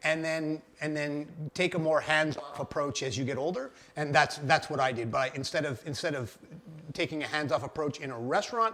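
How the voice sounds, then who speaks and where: A man with a Montreal accent speaks at a fairly quick pace. His pitch sits fairly high, and his loudness swings widely. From Montreal, Quebec. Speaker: real estate investor, former restaurateur. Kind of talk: interview conversation.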